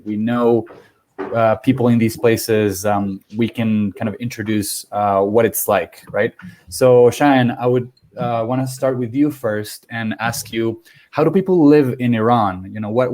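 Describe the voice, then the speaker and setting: A man from Venezuela whose first language is Spanish, moderating a panel conversationally and haltingly, often restarting phrases. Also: medium pitch, darkish tone.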